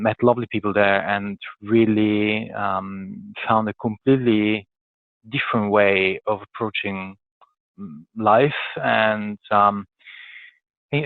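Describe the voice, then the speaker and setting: A man's voice: on the low side, no echo. An Italian man with an Italian accent answering interview questions conversationally as a podcast guest, hesitant and thinking aloud in broken phrases. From Italy. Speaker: podcast guest, corporate professional. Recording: thin phone-like call audio.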